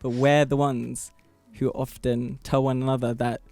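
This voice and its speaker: A man's voice: medium pitch, level tone, moderate pace, a little mellow, soft background music. A British man on a radio panel, joking and provocative, thinking aloud with ums. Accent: British English. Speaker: studio panel guest. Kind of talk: debate discussion.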